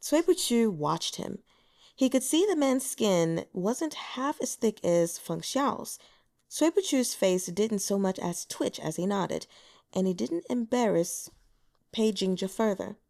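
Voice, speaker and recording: A woman narrating an audiobook in a calm, even reading voice. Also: mid-range voice, takes it slowly, vocal fry. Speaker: audiobook reader.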